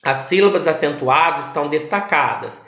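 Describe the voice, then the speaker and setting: A male teacher giving a recorded video lesson, explaining slowly and stressing each syllable. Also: a little high, a bit bright, echoey room.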